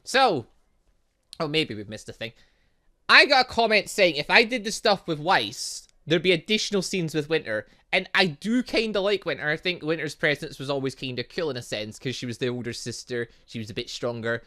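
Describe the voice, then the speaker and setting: A man's voice: on the high side, lively intonation, moderate pace, bright, forceful tone. A man doing casual let's play commentary, rambling and reacting aloud as he plays. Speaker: gaming channel host.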